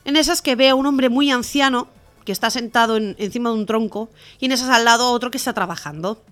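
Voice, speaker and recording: A woman co-hosting a community radio comedy show, chatty and quick to laugh, on a studio mic. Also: a little high, fairly bright tone, soft background music. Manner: chatty, laughs easily, restarts sentences. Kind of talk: telling jokes on community radio.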